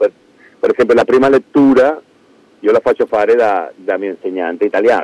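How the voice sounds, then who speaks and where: A man with a Spanish accent at a fairly quick pace, in a dry, close sound with no echo. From Venezuela, Caracas. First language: Spanish (speaking Italian). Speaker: actor. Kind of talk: casual chat. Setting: phone call.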